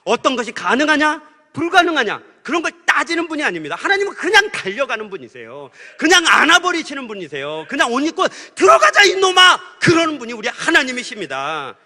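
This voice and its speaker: A middle-aged man preaching a sermon through a personal story, swinging from hushed storytelling to loud, animated outbursts. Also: extremely high pitch, quick pace, few pauses. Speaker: pastor. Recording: hall reverb.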